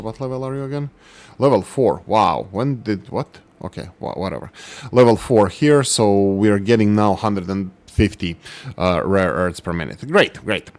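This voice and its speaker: A man's voice: fairly low pitch, darkish tone. A man hosting a gaming channel, giving gameplay commentary and thinking aloud as he works through production numbers.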